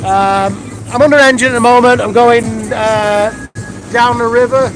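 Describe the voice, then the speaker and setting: A man's voice: very high-pitched, steady tone, a little slow, low-quality recording. A man in his forties vlogging live from a sailboat on a river, talking in a rambling, sweary, chatty way into a phone held at arm's length. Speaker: vlog host. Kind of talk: casual live sailing vlog. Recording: wind noise and loud music. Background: boat engine, wind and music.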